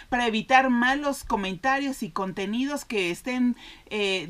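Woman host, 40s, lively gossip-show delivery, slightly high voice, close studio mic. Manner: lively, with frequent fillers. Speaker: entertainment news host. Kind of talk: entertainment gossip commentary. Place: small studio with desk. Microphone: studio mic on stand in front.

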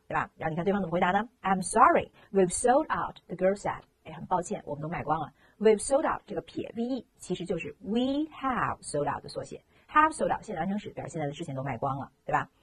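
A woman teaching English grammar in a lively lesson, asking rhetorical questions and reading example sentences aloud slowly, with a Mandarin Chinese accent. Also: mid-range voice.

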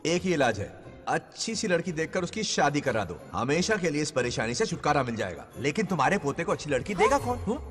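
A man's voice: a little high, big pitch swings, a little fast, a bit bright. An actor dubbing a film, playing the joking ghost of a dead grandfather in heaven, with a teasing, playful manner. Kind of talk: Hindi film dub. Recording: film audio with reverb and music.

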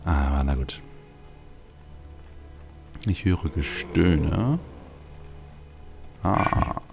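A man's voice: very deep voice, lively intonation, very slow, vocal fry. A man giving casual gameplay commentary as a let's play host, rambling and thinking aloud. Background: video game music.

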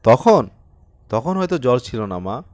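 A man voicing a hushed, tender farmer father. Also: medium pitch, big pitch swings, unhurried. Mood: weary. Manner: soft, hushed pleading. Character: poor weary village farmer father, tender and anxious. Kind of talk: audiobook character reading.

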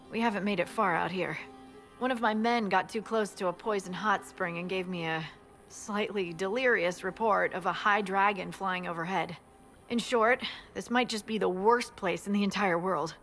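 An actress playing a wry, weary military scout in a fantasy video game, reporting in a brisk, matter-of-fact way. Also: female voice, mid-range voice, fairly bright tone, soft background music. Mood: dry, concerned.

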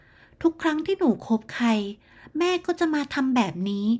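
A woman voicing a stubborn, sharp-tongued young daughter who snaps back in exasperation, in a storybook tale. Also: high-pitched, expressive, moderate pace, voice pushed up. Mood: exasperated defiant. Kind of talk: storybook character voice.

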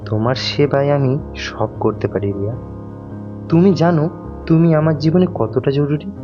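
A man's voice: fairly high pitch, normal speed, dark tone, close to an everyday voice. A man acting a tender, devoted young lover, muffled. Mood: devoted, earnest. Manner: earnest, romantic. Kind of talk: audio romance drama acting. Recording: dull lo-fi audio under guitar music. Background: plucked guitar music.

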